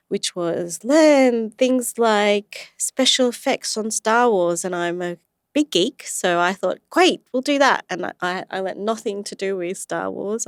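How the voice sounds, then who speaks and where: A woman from Australia, an animator and researcher, answering interview questions with animated storytelling, frequent laughs and fillers. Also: on the low side, smooth, dry recording, studio quality. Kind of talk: casual interview.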